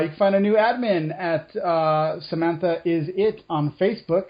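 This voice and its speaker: A man hosting a gaming podcast, talking in a laid-back, casual way as he wraps up the show. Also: high-pitched. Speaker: podcast host. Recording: dull lo-fi podcast audio.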